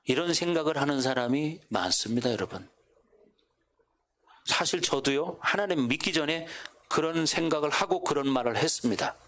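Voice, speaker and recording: A man's voice: on the high side, animated, moderate pace, fairly bright tone. A male pastor preaching a sermon in church, asking the congregation one rhetorical question after another and acting out what neighbors might say. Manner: acts out quoted neighbors in his own voice. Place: church sanctuary.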